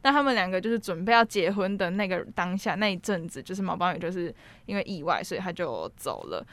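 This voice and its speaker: An excited woman with a Taiwanese Mandarin accent hosts a casual chat and gushes as she retells scenes. She talks very fast and laughs often. Her voice sounds dry and close. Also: lowish voice, dry recording. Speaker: host.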